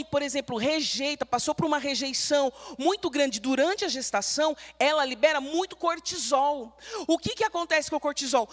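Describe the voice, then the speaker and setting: High-voiced Brazilian woman preaching emphatically. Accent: Brazilian Portuguese. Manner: emphatic, acts out quoted voices. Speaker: pastor. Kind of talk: sermon teaching.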